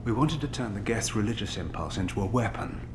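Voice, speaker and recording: An actor as grave, low-voiced scientist. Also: male voice, lively intonation, background noise, natural voice. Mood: somber, explaining. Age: middle-aged. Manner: formal, measured, articulate. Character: grave middle-aged male chief scientist, guilty but defensive. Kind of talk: scripted video game dialogue.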